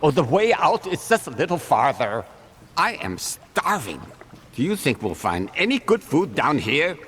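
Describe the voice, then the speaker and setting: A man's voice: fairly high pitch, sing-song, a little slow, a bit bright, slight background noise. An actor playing an eccentric, cheerful old male jeweler in a video game, stammering and chuckling as he talks. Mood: chirpy. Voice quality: giggly, stammering, fussy.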